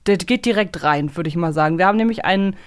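A woman's voice: fairly low pitch, fast talker, clear, resonant tone, dry recording. Woman podcast co-host, dry close sound. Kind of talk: casual podcast discussion.

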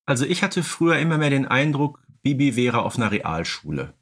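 A man's voice: mid-range voice, sing-song, a little fast, fairly bright tone. A man from North Rhine-Westphalia with pronunciation co-hosts a casual podcast, musing and explaining as he goes. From North Rhine-Westphalia, Germany. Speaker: podcast co-host.

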